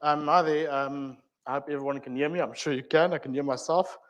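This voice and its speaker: South African man with a raised pitch giving a chatty tech talk. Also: fairly even intonation, a little fast. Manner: chatty, many ums and uhs, asides to the audience. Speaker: technical trainer giving a meetup talk. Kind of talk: informal tech presentation.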